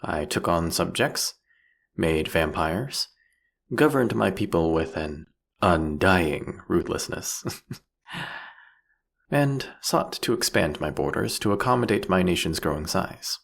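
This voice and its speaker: A man playing a proudly ruthless, philosophical vampire king in a fantasy audio roleplay, speaking eloquently and mockingly in a drawn-out, theatrical way. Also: low-pitched, lively intonation, vocal fry, fairly bright tone, heavily acted. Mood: defiant, mocking.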